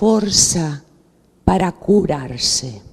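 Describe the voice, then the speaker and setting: Delivery is very slow, in a Spanish accent. The tone is dark and mellow with lively intonation. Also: woman. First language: Spanish (speaking Portuguese). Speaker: educational psychologist. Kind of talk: lecture. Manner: halting.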